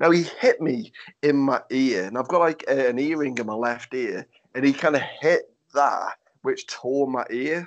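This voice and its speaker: A man with an English accent talks in a fairly high pitch. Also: ordinary pitch variation, moderate pace. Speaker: podcast host and wrestling promoter. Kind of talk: casual chat.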